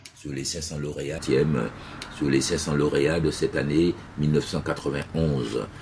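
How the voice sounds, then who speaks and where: There is noticeable background noise as a man speaks at a moderate pace. His pitch is very deep and low, with fairly even intonation. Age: 60s. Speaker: lawyer and environmental activist. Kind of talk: interview. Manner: hesitant, many fillers.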